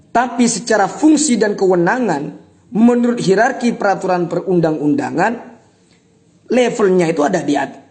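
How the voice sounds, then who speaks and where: A man talks fairly quickly with lively intonation while noticeable noise sounds in the background. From Madura, Pamekasan. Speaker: legal practitioner. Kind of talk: political commentary monologue.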